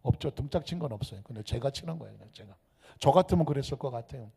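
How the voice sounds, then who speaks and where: A male pastor preaching a sermon into a microphone, dramatic, swinging between hushed whispers and loud calls and leading the congregation in repeating his lines. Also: mid-range voice, lively intonation, fast, vocal fry, husky. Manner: leads the congregation in call-and-repeat. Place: church sanctuary. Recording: echoey church hall.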